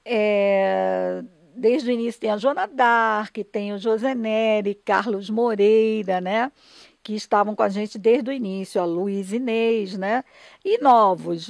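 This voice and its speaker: Older Brazilian woman, interview guest. Gravelly fry in the voice, dry close sound, emphatic but conversational delivery. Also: mid-range voice, darkish tone, dry recording. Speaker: radio drama writer and director, interview guest. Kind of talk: conversational interview, explaining her work.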